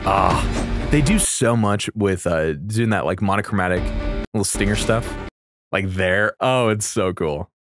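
A young man giving casual, excited reaction commentary, gushing in slangy, lightly sweary speech. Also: on the low side, measured pace, over music. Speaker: video creator reacting to game trailers.

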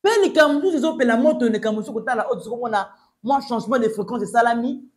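A young man with a Congolese accent delivers urgent news commentary in a high voice, switching between French and Lingala. He speaks emphatically from a small plain room. He sits facing the camera as he talks. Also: rapid-fire. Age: young adult. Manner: emphatic, urgent, gesturing while addressing the camera.

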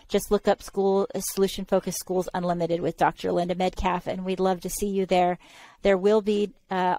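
An enthusiastic woman in her forties hosts a video-call interview, warmly encouraging her guest. Her voice sits at a middle pitch, close to a headset mic in a room at home. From California. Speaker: podcast host.

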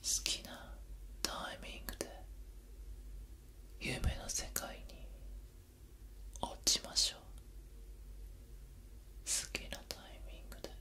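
A young man in a whispered role-play as a soothing hypnotist, speaking in a breathy whisper right in the listener's ear with repetitive, lulling suggestions. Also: takes it slowly, pauses often, bright, forceful tone. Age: young adult. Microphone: close binaural ASMR microphone.

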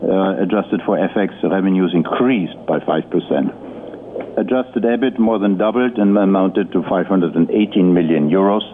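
Low-voiced man on a tinny phone line. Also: moderate pace. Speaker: company executive. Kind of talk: prepared earnings-call presentation. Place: conference call line. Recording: muffled phone-line audio with noise.

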